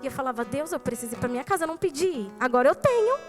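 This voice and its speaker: A high-pitched woman with a Brazilian Portuguese accent preaches a personal testimony to a church congregation, speaking directly to the people in front of her. Soft guitar music plays faintly behind her. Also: animated, very fast. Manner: storytelling, addresses the congregation directly. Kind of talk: sermon testimony. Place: church service.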